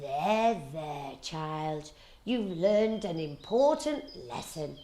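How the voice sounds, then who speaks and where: The speaker uses a put-on character voice at a middle pitch. Delivery is very slow, with lively intonation. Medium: read story. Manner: warm, fussing.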